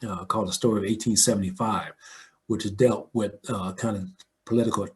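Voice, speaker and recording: A man's voice: lowish voice, steady tone, brisk. An older American man talking reflectively in a conversational interview, telling stories and often checking in with the listener. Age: older, 60s or above. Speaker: audio dramatist and filmmaker, interview guest.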